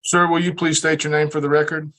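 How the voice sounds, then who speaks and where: A man speaking as a prosecutor in a courtroom recording, with formal, deliberate legal phrasing. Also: fairly high pitch, little pitch movement, sharp tone.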